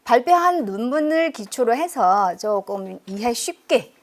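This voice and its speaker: A woman's voice: fairly high pitch, expressive, unhurried. A middle-aged woman from China with a Chinese accent in Korean, lecturing chattily and self-deprecatingly, quizzing her audience and using many fillers. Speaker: university professor giving a public lecture. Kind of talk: public history lecture. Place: lecture room.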